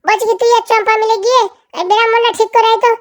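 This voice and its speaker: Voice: very high voice, flat delivery, rapid-fire, no echo. A performer voicing a cheeky, eager young sidekick in a comedy cartoon, chattering in a colloquial way. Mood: chatty. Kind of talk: comic cartoon dialogue.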